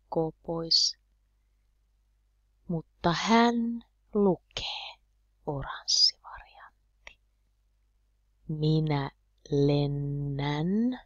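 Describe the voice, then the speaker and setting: A woman with a low voice teaches a lesson at a slow, deliberate pace, spelling out each word so learners can follow. The sound is dry and a little dull, with no room around it. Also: dry recording. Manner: slow, deliberate, repeating words clearly for learners. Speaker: Finnish language teacher.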